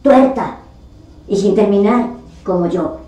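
A woman performing a theatrical monologue as a discarded literary character, bitter, self-pitying and indignant, lamenting with dramatic pauses. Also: medium pitch, lively intonation, mellow. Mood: pained indignation. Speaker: actor rehearsing a monologue. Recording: distant mic, echoey room, faint noise.

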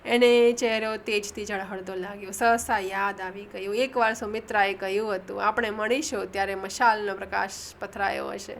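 A woman narrating an audiobook, lifting her voice for the characters' shouted lines and correcting her own slips as she goes. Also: medium pitch, steady tone, moderate pace, vocal fry, hardly any pauses, a little hiss or hum. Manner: reads dialogue with raised emphasis, corrects own slips. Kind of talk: audiobook reading.

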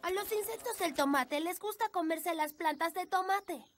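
A woman's voice: very high-pitched, moderate pace, a little hiss or hum. A woman voicing a small, helpful, knowing elf in a Latin American cartoon dub. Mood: eager, informative. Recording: loud music behind.

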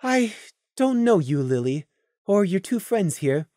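A woman puts on a refined female unicorn from a fantasy story. Her voice is smooth and musical, with lively intonation. She speaks calmly, patiently and with humble earnestness. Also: medium pitch, measured pace, dry recording, clean studio sound. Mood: earnest, humble.

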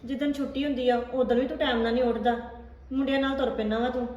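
A woman playing a caring elder sister who gently lectures her brother. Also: high-pitched, steady tone, quick pace, far from the mic, lo-fi sound, close to an everyday voice. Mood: lecturing. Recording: echoey room, faint noise.

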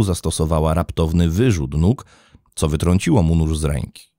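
A man reading a scripted true-crime story as a podcast narrator, in a dramatic, expressive storytelling manner. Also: low voice, no echo, studio quality.

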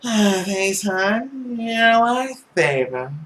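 A man voicing a tipsy, emotional young woman in a visual novel, with a slurred, drawn-out delivery. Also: sits high, big pitch swings, a bit bright, pitched above the performer's own voice, full character voice. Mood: drunk, playful.

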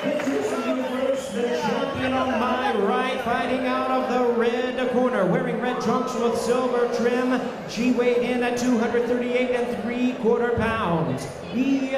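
An older male ring announcer pitched very high, stretching his words with lucha libre showmanship. His voice rings heavily around a big arena over a loud crowd. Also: very echoey, big-room sound, noisy background. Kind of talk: bilingual boxing ring announcing in Spanish and English. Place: in the ring of a large indoor boxing arena. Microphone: handheld microphone.

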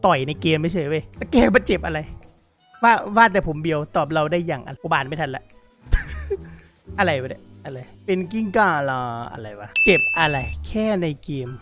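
A man commenting on a role-play game, reading chat messages aloud, excitable and often laughing. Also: fairly high pitch, normal speed, soft background music. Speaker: gaming YouTuber.

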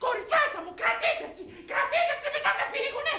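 A woman playing an old village mother-in-law, shrill and commanding. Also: animated, pushed and bright, roomy sound, exaggerated voice.

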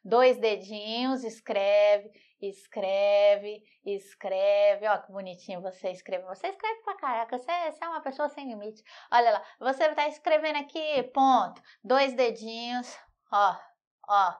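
A young woman with a fairly high voice gives an online writing lesson. She talks straight to her students in a lively, teasing way and keeps checking that they follow. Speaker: Portuguese writing teacher.

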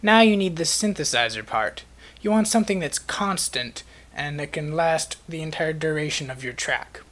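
A man with a slightly higher-pitched voice narrates a software tutorial. He presents it as a step-by-step instructional screencast. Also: expressive, moderate pace.

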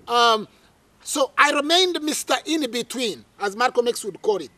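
A middle-aged interview guest from Uganda, miked with a lapel mic under a tree outdoors, relates his life story with drama, animation and plenty of fillers. The recording is dry, and his very high voice moves at normal speed.

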